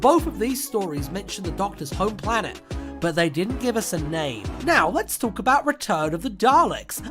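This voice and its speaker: Woman, comedic scripted voice-over, very lively intonation, tongue-in-cheek, music behind. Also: mid-range voice. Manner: tongue-in-cheek, mock-dramatic. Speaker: video essay presenter.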